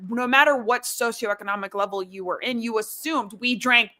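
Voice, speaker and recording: A middle-aged woman from Ecuador talks in a relaxed, rambling way on a video call, stacking little asides and fillers. Her voice is bright and forceful and sits a little high. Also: moderate pace. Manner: chatty, many fillers and asides. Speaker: podcast host. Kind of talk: casual live-stream chat.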